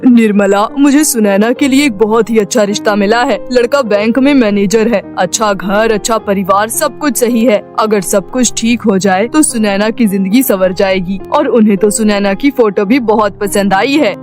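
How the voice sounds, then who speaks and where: A woman voicing an earnest, caring middle-aged father in an animated moral story. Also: mid-range voice, moderate pace, hardly any pauses, faint music behind, natural voice. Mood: hopeful.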